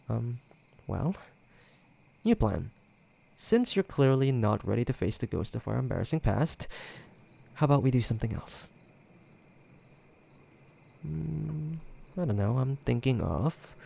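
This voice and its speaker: Voicing a teasing, playful young ex-boyfriend for an intimate audio drama roleplay, this man talks casually, pausing hesitantly, with some creak in his voice. The pitch is medium and mellow, fully in character, with a gentle, hesitant mood.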